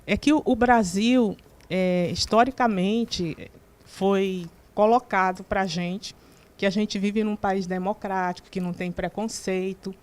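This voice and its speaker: Brazilian woman, mid-pitched voice, calm and measured TV panelist. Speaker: panel guest. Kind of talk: TV panel debate.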